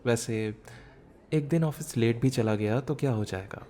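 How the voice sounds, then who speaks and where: A man acting a shy, bookish man in his thirties in an intimate ASMR romance roleplay, speaking softly as if musing, with some background noise. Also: medium pitch, natural voice. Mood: bashful, pleased. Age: 30s. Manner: soft, unhurried, intimate, musing. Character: shy, bookish, self-doubting thirty-year-old man, tender romantic lead. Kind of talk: ASMR boyfriend roleplay audio drama.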